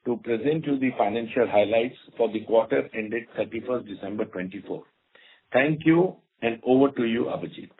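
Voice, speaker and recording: A man with an Indian accent delivers a prepared corporate address in a mid-pitched, somewhat rough voice. The sound is narrow and phone-like, as on a conference call. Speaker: company executive. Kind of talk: scripted corporate presentation. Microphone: conference call line. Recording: muffled phone-like conference line.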